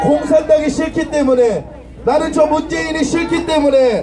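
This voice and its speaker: A man shouts at an extremely high pitch. Crowd noise fills the background. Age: 20s. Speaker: political rally speaker. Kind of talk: protest rally speech. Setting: outdoors. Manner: shouting, impassioned. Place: street. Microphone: pa.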